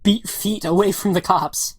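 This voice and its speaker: A woman's voice: medium pitch, unhurried, breathy edge, dry recording. A woman narrating as game master of a tabletop game, casual and often laughing, with many "all right"s and "uh"s.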